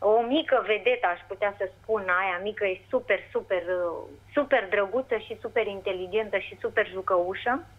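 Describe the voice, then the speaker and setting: Ordinary pitch variation in a woman's medium-pitched voice, moving at a moderate pace. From Romania, Roman (Moldavia). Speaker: caller. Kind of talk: phone-in call. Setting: phone call.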